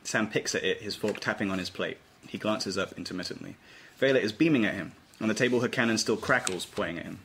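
A man's voice: lowish voice, fast, creaky, fairly bright tone. A man reading stage directions as narrator in a scripted table read. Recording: noisy informal room recording.

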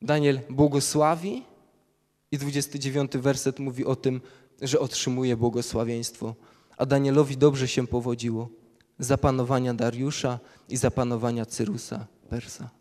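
Polish preacher in a reverberant hall. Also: male voice, mid-range voice, little pitch movement, moderate pace, darkish tone. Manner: reads scripture aloud, explains verse by verse. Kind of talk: sermon with Bible readings.

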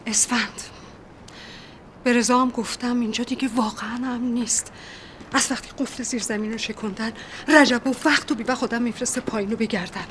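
An actress playing an earnest young woman in a period TV drama, pleading softly and urgently. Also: a little high, fairly even intonation, a little hiss or hum, close to an everyday voice. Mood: worried. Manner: earnest, pleading, soft-spoken at times.

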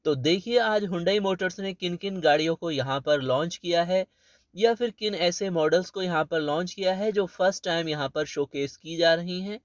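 A man's voice: high-pitched, moderate pace. A man in his thirties hosting a car channel, walking through a large expo hall and reeling off vehicle features as he narrates. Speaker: auto channel host. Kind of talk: walkaround car show narration.

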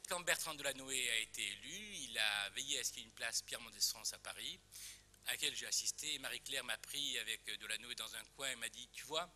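A man's voice: medium pitch, a little fast, sharp tone, a little hiss or hum. An older man telling a personal anecdote at a conference and quoting others as he goes. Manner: storytelling, quotes others. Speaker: conference speaker. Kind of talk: anecdotal talk.

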